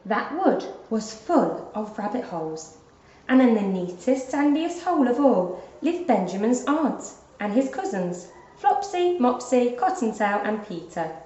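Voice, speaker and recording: Animated woman reading in a roomy space. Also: a little high. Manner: animated, deliberate storytelling. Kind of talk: expressive children's storybook narration. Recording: dull, roomy lo-fi recording.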